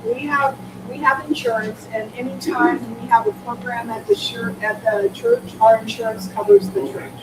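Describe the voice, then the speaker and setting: A woman who works at a shelter agency, answering questions at a community meeting in a loud, animated way that often restarts mid-sentence. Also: fairly high pitch, normal speed, few pauses. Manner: animated, self-interrupting answers. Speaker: shelter program staff. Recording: distant mic with background noise.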